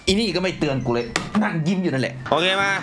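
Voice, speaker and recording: A young man doing sarcastic, excitable gameplay commentary with mock boasting and swearing, his mouth sore after wisdom tooth surgery. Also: fairly high pitch, fast talker, noisy background. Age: young adult. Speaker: gaming YouTuber. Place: small room indoors at a gaming desk. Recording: loud game music behind voice. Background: loud game music.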